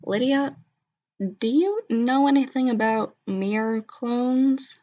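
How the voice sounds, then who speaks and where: A woman's voice: a little high, expressive, takes it slowly, dark tone, no room sound. A woman playing a matter-of-fact, questioning sister in an amateur audio drama. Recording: distant, slightly muffled microphone.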